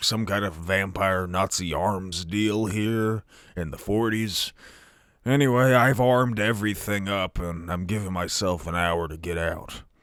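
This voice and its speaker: Over a silent background in a very clean recording, a man does a put-on character voice at a moderate pace. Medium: read story. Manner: gruff, sardonic, offhand.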